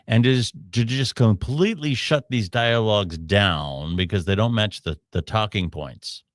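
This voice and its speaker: A man's voice: lowish voice, normal speed, no room sound, studio quality. A man hosting a live podcast, giving opinionated commentary in a rambling way with frequent restarts. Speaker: podcast host.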